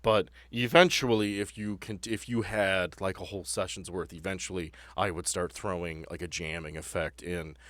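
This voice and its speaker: A man's voice: sits low, steady tone, moderate pace, few pauses, a bit bright, no room sound, studio quality. A man working as game master, narrating a tabletop game in a conversational, descriptive way with plenty of explanation.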